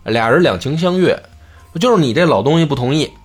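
A man's voice: on the high side, expressive, fairly quick, breathy edge, faint music behind. A man doing a meddling, indignant barber. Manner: indignant, shouting accusations. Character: meddling, self-righteous male barber, loud.

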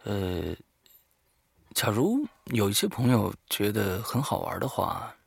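A man talking informally and haltingly to listeners as the host of a horror story show, alone in a studio. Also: lowish voice, sing-song, vocal fry, husky, dry recording. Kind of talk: informal spoken monologue to listeners.

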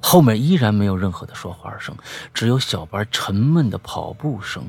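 Guy telling a ghost story, low gravelly voice, swings up and down a lot. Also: moderate pace. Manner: lively storytelling with offhand asides. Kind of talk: spooky story narration.

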